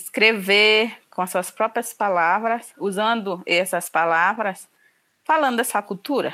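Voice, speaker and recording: Speaking at a fairly slow pace with ordinary pitch variation, a woman with a Brazilian Indigenous accent has a fairly high pitch and a bright, sharp tone on a very clean recording with a silent background. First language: Krahô (speaking Portuguese). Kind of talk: interview.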